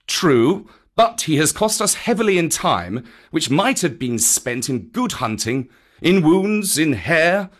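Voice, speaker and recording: A man's voice: fairly high pitch, very animated, slow pace, fairly bright tone, pitched above the performer's own voice, full character voice. A man voicing a proud, stern black panther in a storybook, scolding in an emphatic, aggrieved way. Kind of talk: dramatic storybook character acting.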